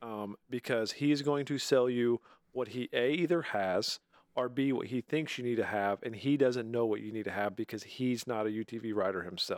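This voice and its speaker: A man speaks in a plain, everyday voice with an American accent, at medium pitch and a moderate pace with ordinary pitch variation. The recording is very clean with a silent background and a dry, close sound with no echo. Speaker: powersports shop owner and mechanic. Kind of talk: casual chat.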